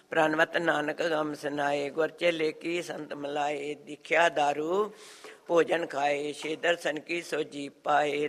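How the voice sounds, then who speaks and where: A man reciting sacred verse in a steady, measured chanting cadence. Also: fairly high pitch. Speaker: scripture reciter. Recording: long hall reverb.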